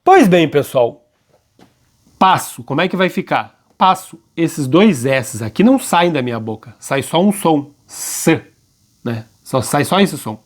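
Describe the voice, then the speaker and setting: Man, grammar teacher, slightly high voice, lively, checks in with students often. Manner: slows and stresses key points for students to note. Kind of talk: classroom-style grammar lesson.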